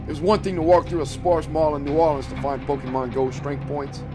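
Man narrating horror fiction, fairly high voice, music playing behind, dramatic read. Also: little pitch movement, brisk. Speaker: audiobook narrator. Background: background music.

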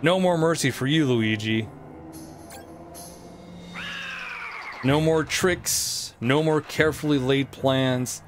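A man voicing a gloating, short-tempered ghost king villain from a video game, with slow theatrical menace. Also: medium pitch, background noise, close to an everyday voice. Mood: exasperated menace. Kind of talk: reading video game dialogue aloud in character.

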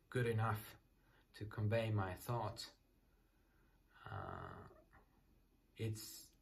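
A man in his thirties from Japan with a Japanese accent, speaking English softly and hesitantly at night in a small apartment room, searching for words with many fillers. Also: lowish voice, a little hiss or hum. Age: 30s. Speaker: English learner. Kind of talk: casual self-introduction to camera.

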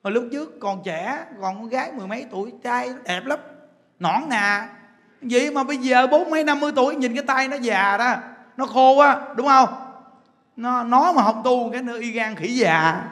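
A man's voice: very high voice, moderate pace, a bit bright, big-room sound. A man with a Southern Vietnamese accent giving a Buddhist dharma talk, firing rhetorical questions at the audience, chuckling and drawing out words for emphasis. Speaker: Buddhist preacher. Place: temple hall.

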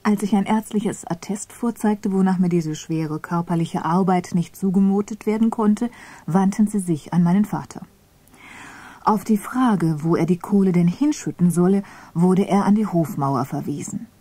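Woman whisper-reading a memoir, breathy dark soft voice, dry close sound. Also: fairly low pitch, normal speed, dry recording. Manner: hushed, mostly whispered narration. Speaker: reader of a memoir.

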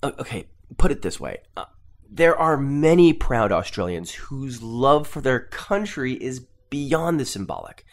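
A man plays an earnest, polite Canadian TV interviewer with a Canadian accent. He stammers and restarts as he presses his questions, his voice at a middle pitch but lively in its rise and fall. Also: unhurried.

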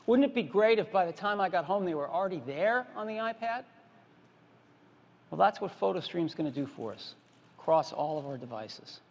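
A man with a high, gravelly voice gives a product keynote from a big stage. He talks in plain, repeated phrases that drive each point home. His voice carries the long reverb of a large hall. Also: lively intonation, moderate pace, muffled recording. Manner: plain, repetitive, emphatic product pitch. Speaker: keynote presenter.

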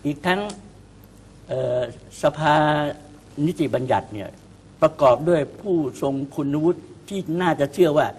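A man's voice: on the high side, expressive, a little slow, a little mellow, slightly rough. A man speaking as a political commentator on a talk show, emphatic and often repeating words as he starts a point.

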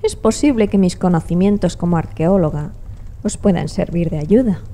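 Actress as confident female archaeologist, dark mellow voice, lowish pitch, teasing, inquisitive, audio drama. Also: moderate pace, slight background noise, lightly acted. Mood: curious. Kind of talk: Spanish-language audio drama acting.

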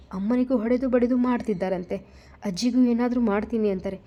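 A woman's voice: medium pitch, warm tone, close to an everyday voice. A woman doing a tearful young heroine. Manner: sobbing, pleading, slipping into childish baby talk.

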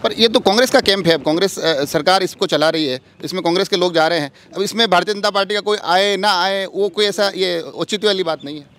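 A man's voice: high-pitched, fast, fairly bright tone. A man, interviewing as a news reporter on a handheld microphone outdoors. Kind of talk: field interview. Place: outdoors in an office compound.

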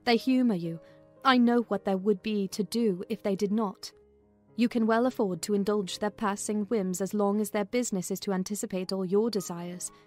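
Sensible housekeeper from a classic novel, read by a woman; frank, admonishing, mellow tone, faint music. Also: mid-range voice, fairly even intonation, moderate pace, natural voice. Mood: frank, cautioning. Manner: admonishing, firm. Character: sensible, frank female housekeeper advising her mistress. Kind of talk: dramatized audiobook reading of a classic novel.

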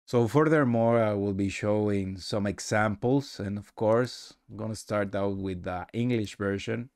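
Low-voiced man presenting a tutorial. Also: unhurried, a little mellow, no echo, studio quality. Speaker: presenter of a software demo. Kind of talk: casual screen-recorded tutorial narration.

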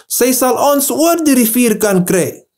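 Man voicing a high-pitched storybook wildebeest. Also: animated, unhurried, a little mellow. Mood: hopeful. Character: hopeful, confident wildebeest in a children's story. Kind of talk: child-friendly storybook reading.

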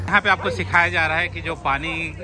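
A man's voice: on the high side, flat delivery, a little fast. A middle-aged man with an Indian accent, narrating a casual vlog outdoors and informally explaining what he shows. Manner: informal, instructive, pointing things out as he goes. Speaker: vlog host. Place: outdoors in an open parking lot at a public event. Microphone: phone at arm's length.

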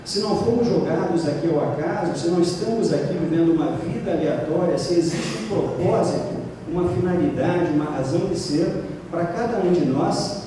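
A man's voice: sits high, fairly quick, far from the mic, noisy background. Middle-aged man lecturing in an echoey hall. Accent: Brazilian Portuguese. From Brazil. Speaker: spiritist lecturer. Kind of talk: spiritist lecture. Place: lecture room at a spiritist center. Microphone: stand mic, filmed from across the room.

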